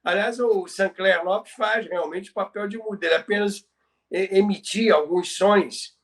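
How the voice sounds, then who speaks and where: Brazilian male co-host, high-pitched, conversational storyteller with halting, repetitive phrasing. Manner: halting, repeats words for emphasis. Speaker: podcast co-host. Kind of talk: conversational storytelling about radio history.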